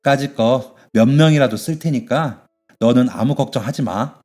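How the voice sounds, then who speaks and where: A man voicing a tough but caring middle-aged woman who runs a bathhouse, yelling at thugs and fussing over her young worker in a radio story. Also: mid-range voice, moderate pace, soft background music, close to an everyday voice. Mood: doting. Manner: shouting threats, then fussing warmly.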